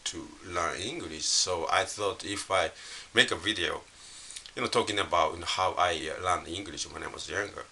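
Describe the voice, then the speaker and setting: A middle-aged man with a Japanese accent, his native language being Japanese, speaks off the cuff in a low voice. It has a heavy creak and a very sharp, forceful brightness. He feels his way along haltingly, repeating himself and leaning on fillers. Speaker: language learner vlogger. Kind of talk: unscripted casual monologue to camera. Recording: hissy recording with faint background noise.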